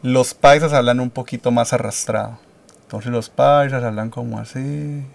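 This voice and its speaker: A man from Cali, Colombia, a guest on a radio show, giving short, relaxed answers in a light Cali Colombian Spanish accent. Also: medium pitch, moderate pace, gravelly. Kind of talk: casual interview answers.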